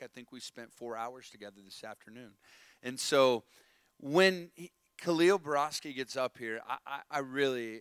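Against a quiet background, a man speaks at a moderate pace with ordinary pitch variation in a dry sound with no echo. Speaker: youth pastor. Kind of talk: introduction of a guest speaker to a live youth audience. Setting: stage with audience. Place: stage. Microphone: handheld.

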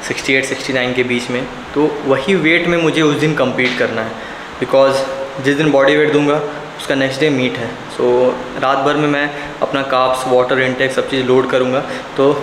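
The speech is monotone and flat at a moderate pace, with noticeable background noise. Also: man. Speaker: powerlifter vlogger. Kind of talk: casual vlog chat. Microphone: phone near.

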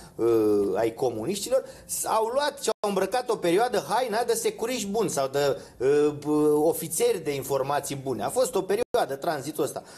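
A high-pitched man talks at a moderate pace. His pitch swings very widely. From Romania. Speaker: journalist; guest, political commentator. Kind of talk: heated debate. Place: studio.

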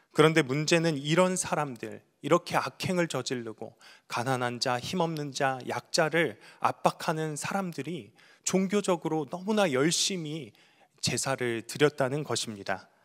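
This man's voice sits fairly high and moves with lively intonation. He talks at a fairly slow pace against a quiet background. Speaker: pastor. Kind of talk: sermon. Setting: church. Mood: earnest, measured. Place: church. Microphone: handheld.

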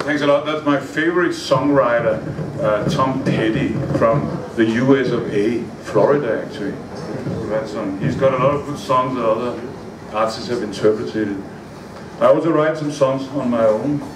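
With long, frequent pauses, a man speaks at a moderate pace and with ordinary pitch variation against noticeable background noise. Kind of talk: stage banter between songs. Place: shop. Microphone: camera far.

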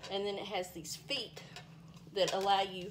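In a Southern US accent, a woman talks at a moderate pace and medium pitch against light background noise. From US South. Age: 50s. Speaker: home baking youtuber. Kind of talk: cooking tutorial. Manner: casual and chatty. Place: kitchen. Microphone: phone near.

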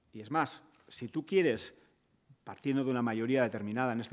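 A man talks at a very fast pace in a medium pitch against a quiet background. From Basque Country. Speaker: activist movement board member; panelist. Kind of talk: panel discussion. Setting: stage with live audience. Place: hall. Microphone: podium.

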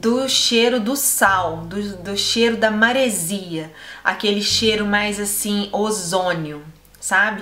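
Her pitch varying in an ordinary way, a woman speaks at a very slow pace. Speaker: beauty reviewer. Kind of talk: casual product review. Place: home room. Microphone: phone near.

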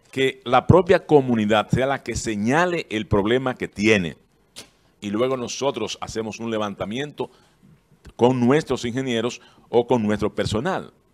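This man talks at a fairly slow pace, his pitch varying in an ordinary way. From Dominican Republic. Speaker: government agency director. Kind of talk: TV interview. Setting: TV studio. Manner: halting. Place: studio. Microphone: handheld.

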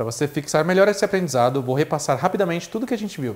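A man's voice with lively intonation. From Brazil, São Paulo east zone; Brazil. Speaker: hairdresser and course instructor; course instructor. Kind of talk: online course sales pitch. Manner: animated. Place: shop. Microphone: lapel.

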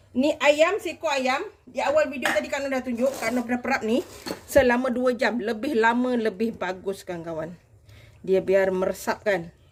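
A woman talks at a moderate pace in a high pitch, with noticeable background noise present. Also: lively intonation. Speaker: cooking video creator. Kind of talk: cooking tutorial. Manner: casual, chatty.

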